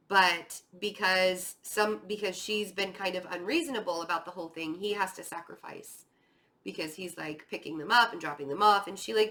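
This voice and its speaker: This tarot reader, a woman running an online session, has a lowish voice that sounds pushed and bright. She chats and rambles in a relaxed, conversational way, speaking right to the listener with encouragement, and her voice is getting tired.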